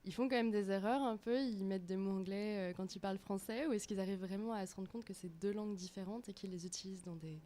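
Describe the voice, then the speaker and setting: A woman who hosts a podcast reads a scripted introduction and asks calm interview questions. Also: medium pitch, fast, hardly any pauses, slight background noise. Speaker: podcast host. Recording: dry close studio sound.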